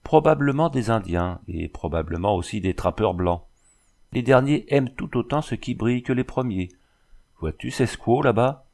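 A man reading the part of a stern, dignified tribal chief in an audiobook, speaking slowly and with disdain. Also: mid-range voice, lively intonation, vocal fry, a little mellow. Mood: solemn. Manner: slow, disdainful.

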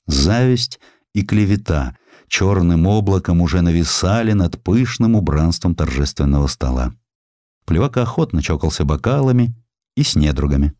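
Really deep guy narrating history audiobook, super animated delivery, dry close sound. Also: no room sound. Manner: expressive, theatrical storytelling. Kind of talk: dramatic scripted narration of historical sketches.

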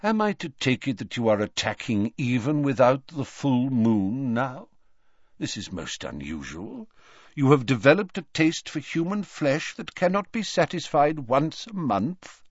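A man voicing an old, courteous wizard who speaks with calm, measured dryness, in a dull, dry recording. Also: mid-range voice, no room sound, voice pushed up. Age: older.

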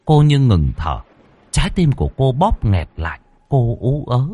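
A man reading a ghost story aloud as a storyteller, with a dramatic, expressive delivery. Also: mid-range voice, a little slow, husky, dry recording. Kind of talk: scripted horror narration. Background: faint music.

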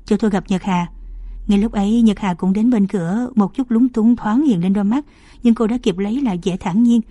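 Calm woman narrating. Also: mid-range voice, brisk, no echo. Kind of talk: audiobook narration.

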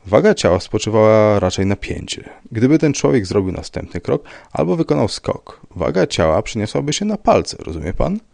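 A man voicing a gruff police commissioner who speaks in a dry, curt, dismissive way. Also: on the low side, very animated, moderate pace, hardly any pauses, darkish tone, no echo. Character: gruff, unbothered middle-aged police commissioner.

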